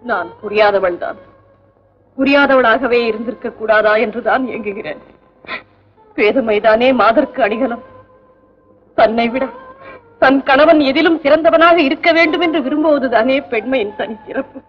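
An actress playing a learned, devout young princess in a 1960s film, speaking in formal literary speech. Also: female voice, fairly high pitch, normal speed, long pauses, natural voice. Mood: wistful. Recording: dull old film soundtrack with music.

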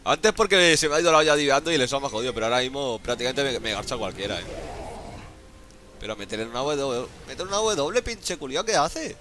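A man giving excited gameplay commentary as a streamer, exclaiming, laughing and swearing often. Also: medium pitch, quick pace, a little hiss or hum. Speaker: gaming streamer.

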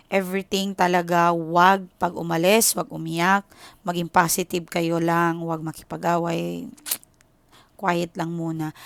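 A woman's voice: fairly low pitch, no echo. A Filipino woman with a Filipino accent, giving a casual tarot reading and chatting to her viewers in a mix of Tagalog and English. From Philippines. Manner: chatty, switches into English, frequent "okay?". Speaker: tarot reader.

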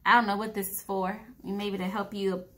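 A young woman with a bright, forceful voice chats casually as she works through a home nail tutorial at a table. She thinks out loud and makes fun of her own lack of skill. Her pitch sits in the middle. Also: little pitch movement, normal speed. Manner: chatty, self-deprecating, thinking aloud while working. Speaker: beauty vlogger.

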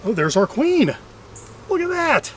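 High-pitched middle-aged man, casual outdoor chatter. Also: sing-song, a little slow, a little hiss or hum. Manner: chatty, dryly humorous. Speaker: beekeeper and vlog host. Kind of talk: casual running commentary while working. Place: outdoors among trees at beehives.

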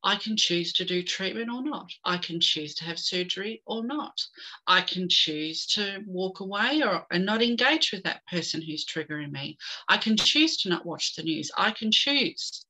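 Middle-aged woman on a video call, bright forceful tone, slightly low voice, animated storyteller. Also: moderate pace, low-quality recording. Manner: animated storyteller, tells jokes. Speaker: guest. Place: home room with bookshelves.

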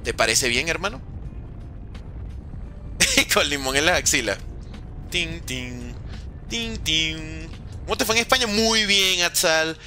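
A man's voice: fairly high pitch, a little slow, pushed and bright. A man streaming gameplay, reading chat aloud in a playful way and making little mouth sound effects. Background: faint background music.

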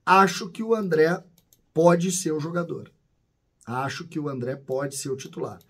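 A man's voice: fairly high pitch, moderate pace, a bit bright, husky. A man, talking casually to camera about a football team from a small home studio, listing names and asking himself questions. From southern Brazil. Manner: conversational, lists names, asks rhetorical questions. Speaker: football commentator. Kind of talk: casual solo commentary to camera.

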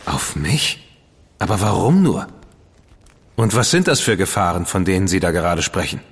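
An actor playing a witty, defiant dandy with a sarcastic, cheeky manner. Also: male voice, sits low, very animated, breathy edge, big-room sound, full character voice. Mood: sardonic. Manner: sarcastic, quick-witted, cheeky. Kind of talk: radio play acting.

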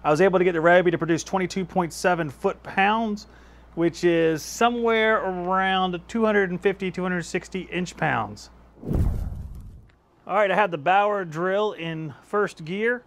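At a measured pace, a thirty-something YouTube host with a slightly high voice chats easily through a lapel mic while trying out tools. He's in his indoor home workshop full of power tool shelves, and he chuckles at his own results during the casual review.

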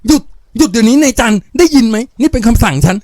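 A man voicing a proud young rich woman who gives shrill, imperious orders. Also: very animated, quick pace, darkish tone. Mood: commanding.

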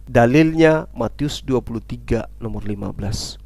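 A man's voice: medium pitch, moderate pace, creaky, no echo. A man preaching in an emphatic debate style, citing scripture and firing repetitive rhetorical questions that he answers himself. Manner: forceful, insistent delivery. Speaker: Islamic preacher in interfaith debate.

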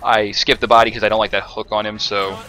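A man talks through his own gameplay footage in an easygoing, rambling way. His voice sits a bit low, with a bright, forward edge to it. He stops often, with fillers and restarts. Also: level tone, fast, soft background music. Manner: rambling, many fillers and self-corrections. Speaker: gaming commentator. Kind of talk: casual gameplay commentary.

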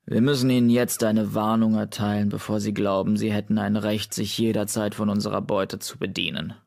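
A man's voice: lowish voice, level tone, fairly quick, gravelly, a little mellow. A man voicing a proud, determined male warrior cat in an audiobook. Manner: growling, determined.

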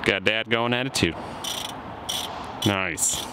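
A man's voice: lowish voice, slow pace. Easygoing man narrating outdoor repair work. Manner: easygoing, thinking aloud while working. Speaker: shop mechanic host. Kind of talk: casual how-to narration. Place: outdoor junkyard. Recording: outdoor noise behind.

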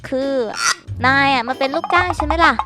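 A woman voicing a bossy young baker girl who scolds quickly, in a dubbed Minecraft cartoon with music behind. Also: high-pitched, close to an everyday voice. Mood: scolding.

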